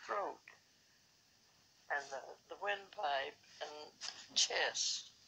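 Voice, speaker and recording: A woman with an Alabama accent, a fairly low pitch, and a bright, sharp tone. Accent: Southern US (Alabama). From rural Alabama. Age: 80s+. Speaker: 1918 pandemic survivor. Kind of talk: oral history interview answer.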